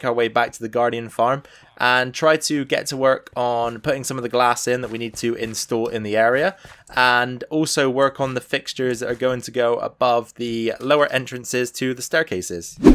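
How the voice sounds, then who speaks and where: A man speaks at a moderate pace in an ordinary speaking voice. His pitch sits in the middle range. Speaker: gaming video creator. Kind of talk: gameplay commentary.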